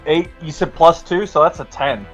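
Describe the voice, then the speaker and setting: A man's voice: on the high side, moderate pace, a bit bright. A man chatting casually as a player at a tabletop role-playing game. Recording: dull audio, music behind.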